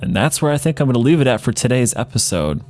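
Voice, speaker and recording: A man gives casual let's play commentary. His voice is medium in pitch and moves around in a lively way. Music plays behind him. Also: fast.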